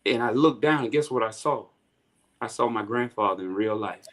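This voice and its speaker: A man's voice: mid-range voice, normal speed. A man, a podcast guest, telling his life story as a personal testimony, acting out what others said. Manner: storytelling, acting out quoted voices.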